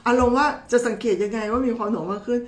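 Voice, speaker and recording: A woman's voice: fairly high pitch, fairly even intonation, very fast. A woman doctor giving a casual, chatty health explainer, talking to viewers in a familiar, teasing way. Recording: roomy echo.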